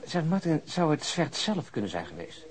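An actor playing a hurried, irreverent male police colleague in a radio play, informal and excitable. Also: fairly high pitch, slight background noise. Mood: sardonic, curious. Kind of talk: naturalistic radio play dialogue.

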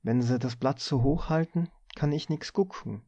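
A man reading an audiobook, voicing a placid office clerk who answers in an unhurried, mildly amused, folksy way. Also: medium pitch, warm tone, no echo, lo-fi sound, lightly acted. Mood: calm, innocent. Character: placid, easygoing middle-aged male office clerk.

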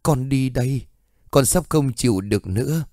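A man's voice: medium pitch, animated, moderate pace, mellow, no echo, studio quality, lightly acted. A man reading a story and voicing a stranger who claims to be a fallen soldier's spirit, speaking in a pained, pleading way.

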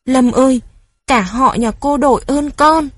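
A woman voicing an excited village neighbor who pours out her thanks. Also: high-pitched, unhurried, dry recording, voice pushed up. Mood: overjoyed. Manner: effusive, thankful exclamations.

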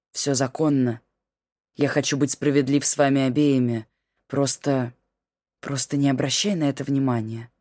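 A woman reading as a calm, stubborn middle-aged husband who speaks in a steady, tired and curt manner. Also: extremely low pitch, no room sound, studio quality.

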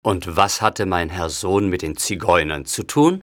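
A man voicing a stern, gruff village father in an audiobook story. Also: sits low, unhurried, a bit bright, no echo, studio quality, pitched below the performer's own voice. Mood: angry. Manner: gruff, scolding.

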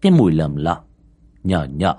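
A man narrating a ghost story in a dramatic, expressive way. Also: rumbling low, moderate pace. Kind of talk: scripted horror story narration.

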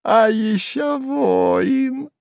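A squeaky, chattering old hanger-on, jeering in a high, sing-song cackle. Gravelly grit runs under the shrill tone, and the storybook reading sounds close and dry. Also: male voice, huge pitch swings, drawn-out words, a little mellow, no echo, exaggerated voice. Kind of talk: audiobook character voice.

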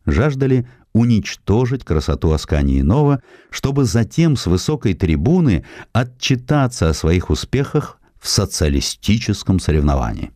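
Male audiobook narrator. Low, dark voice, measured declamatory delivery of historical prose. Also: sing-song, no room sound, studio quality. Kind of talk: expressive scripted narration of historical essays.

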